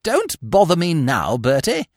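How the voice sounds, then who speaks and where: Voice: medium pitch, wildly swooping pitch, normal speed, no room sound, clean studio sound. A performer voicing an imperious, easily outraged elderly English aunt, snapping and exclaiming theatrically in an audiobook story. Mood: snappish outrage.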